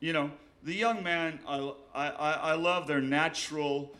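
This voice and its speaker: Halting, emotional older man poet. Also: on the high side, fairly even intonation, sharp tone. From Willamette Valley, Oregon. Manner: halting, emotional, repeats himself, swears. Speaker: poet reading his work. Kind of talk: poetry reading with spoken asides.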